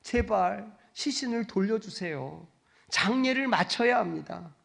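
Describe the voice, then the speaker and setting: A man's voice: high-pitched, lively intonation, a little slow, gravelly, fairly bright tone, exaggerated voice. A man quoting a grieving woman, Mary, pleading tearfully during a sermon.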